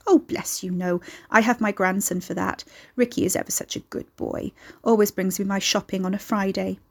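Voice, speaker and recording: A woman's voice: medium pitch, steady tone, moderate pace, natural voice. A woman voicing an elderly, gossipy grandmother in an audiobook, maternal and pushy, with folksy, rambling talk. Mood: proud, chatty. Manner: folksy dialect, rambling, nosy.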